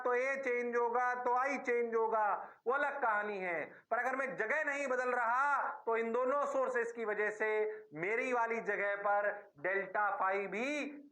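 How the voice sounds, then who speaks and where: A man's voice: extremely high pitch, sharp tone. A man teaching physics in a classroom lecture with an Indian accent, who drags out his words and playfully answers himself in the students' voice.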